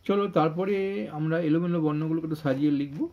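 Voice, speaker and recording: Husky man teaching a lesson. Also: on the high side, fast. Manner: conversational, asks questions and answers them himself. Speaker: primary school teacher giving question-answer lesson. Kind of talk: informal explanatory lesson. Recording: dull lo-fi sound.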